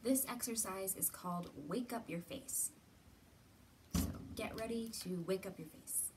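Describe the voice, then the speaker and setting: Woman in her 30s talking softly-paced to little kids, gentle questions, lots of pauses, mic a bit far off, some room noise. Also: medium pitch. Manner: simple encouraging questions with many pauses. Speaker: children's storytime host. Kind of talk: gentle guided lesson for young children. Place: indoor library room with bookshelves. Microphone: camera a few feet away. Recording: distant mic, roomy ambient noise.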